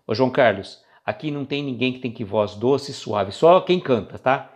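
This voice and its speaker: A man's voice: medium pitch, expressive, moderate pace. A Brazilian man hosting a spiritist livestream, chatting informally and addressing viewers directly by name. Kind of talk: casual livestream chat.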